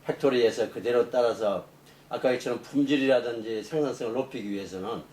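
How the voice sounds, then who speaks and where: A middle-aged man, a professor being interviewed, explaining technical matters off the cuff in a halting way. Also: medium pitch, darkish tone. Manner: halting, explanatory, rephrasing as he goes. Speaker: engineering professor, interview guest. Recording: echoey room, distant mic, faint noise.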